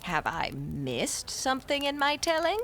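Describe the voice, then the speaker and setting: An actress narrating and playing a stern, learned woman classicist, with measured, formal, often hushed storytelling. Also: high-pitched, very animated, a little hiss or hum. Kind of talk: audio drama narration.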